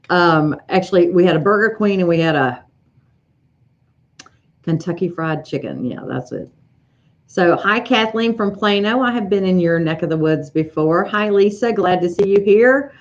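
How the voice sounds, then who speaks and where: A middle-aged woman from East Tennessee with a Southern accent, hosting a casual live stream from her home sewing room, chatting and greeting viewers with lots of fillers and restarts. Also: lowish voice. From East Tennessee, USA. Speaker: livestream host, embroidery educator. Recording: slightly dull lo-fi livestream audio.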